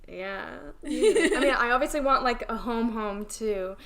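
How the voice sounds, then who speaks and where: A woman's voice: fairly high pitch, unhurried, a bit bright. A young woman co-hosting a casual podcast chat, upbeat and rambling, with many "um"s and "like"s. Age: young adult. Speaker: podcast co-host.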